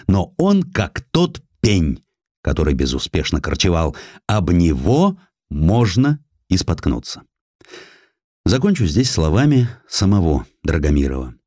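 A man reading a historical sketch as a dramatic audiobook narrator, expressive and emphatic, with deliberate pauses. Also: low voice, no room sound, clean studio sound.

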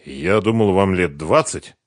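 A man reading the lines of a divorced man who speaks quietly, sadly and hesitantly. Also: sits low, unhurried, no room sound, studio quality. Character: divorced middle-aged man, shy and sincere.

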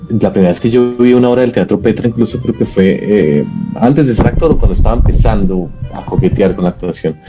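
A man's voice: fairly low pitch, fast, lo-fi sound, over music. A man, an actor answering interview questions in a reflective, casual way with many hesitant fillers. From Colombia.

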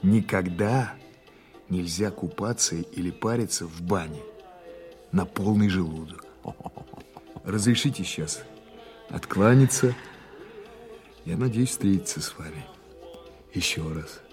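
A composed investigator with a fairly low voice. He is formal, dryly ironic and politely insistent, in radio-drama style over faint music. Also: a little slow, pauses often, a little mellow. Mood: dry politeness. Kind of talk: Russian audio drama acting.

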